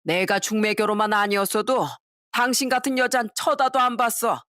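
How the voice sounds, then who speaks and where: A woman's voice: fairly high pitch, steady tone, moderate pace, fairly bright tone, dry recording, clean studio sound, close to an everyday voice. A woman voicing a stingy, bullying old father-in-law who scolds with contempt, in a story read aloud. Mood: contemptuous.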